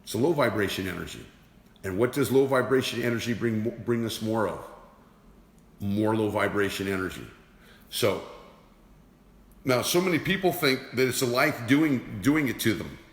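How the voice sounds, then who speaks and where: An energy awareness teacher gives a motivational teaching talk, emphatically repeating rhetorical questions. His voice is fairly low, his speed normal, and he leaves long pauses, all in a roomy space with long reverb.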